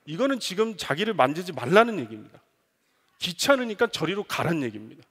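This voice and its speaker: A male pastor preaching a sermon with animated storytelling, acting out the voices of his family. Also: high voice. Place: church sanctuary. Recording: long reverb of a church hall.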